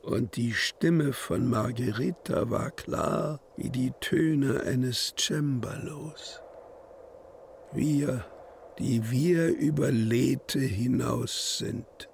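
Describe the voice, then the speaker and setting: A man playing a brooding poetic narrator in a literary radio drama, declaiming in deliberate short phrases. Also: mid-range voice, creaky, slight background noise. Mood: wry, observing. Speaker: actor reciting poetry.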